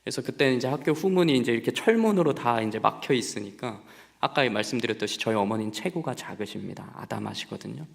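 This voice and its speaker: A young adult man delivers a sermon at a middle pitch, telling a personal story in an easy, chatty way. He turns to the congregation with questions now and then. His voice rings out with the long reverb of a church sanctuary. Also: expressive, fast talker, creaky. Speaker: pastor.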